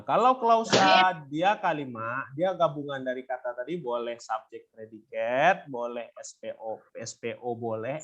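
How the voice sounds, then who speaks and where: A man's voice: medium pitch, fairly bright tone, muffled recording. A male teacher explaining grammar to students, asking questions and prompting them to answer. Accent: Indonesian. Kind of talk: classroom lesson.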